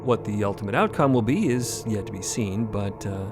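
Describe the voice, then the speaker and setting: A man narrates a scripted drama podcast in a theatrical storytelling style, his low-leaning voice animated at normal speed. Loud music plays under his voice in the background.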